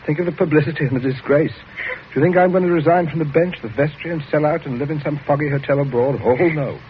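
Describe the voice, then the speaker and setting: A man's voice: fairly high pitch, fast, natural voice. An actor playing a cold, domineering country squire and magistrate who interrogates his family in a clipped, commanding voice, in 1940s radio drama style. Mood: scornful. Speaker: father. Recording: muffled old radio broadcast with hiss.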